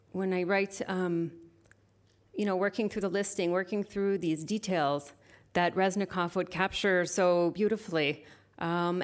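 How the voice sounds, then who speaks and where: A woman speaking as a poet at a live reading, with measured, deliberate phrasing into an event microphone. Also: fairly low pitch. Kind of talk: live poetry reading with informal introduction. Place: live literary event before an audience.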